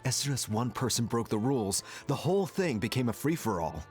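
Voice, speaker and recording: An actor playing a scheming, self-justifying tribal chief in a video game, condescending and theatrical. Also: male voice, mid-range voice, very animated, brisk, lightly acted. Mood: defensive, cold. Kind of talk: dramatic game dialogue. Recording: long reverb, music underneath.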